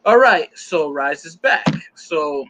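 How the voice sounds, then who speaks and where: A man's voice: a little high, lively intonation, slow pace, background noise. A man co-hosting a live Christian stream in loose, joking casual chat, reading out viewer comments.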